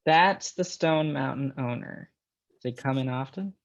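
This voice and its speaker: An actor playing a shy, smitten, curious customer in a script table read, speaking hesitantly. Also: male voice, mid-range voice, a little slow, dull audio, lightly acted.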